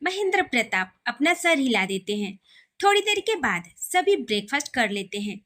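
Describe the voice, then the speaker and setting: A woman narrating a romantic family story in an expressive, steady reading. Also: high-pitched, moderate pace.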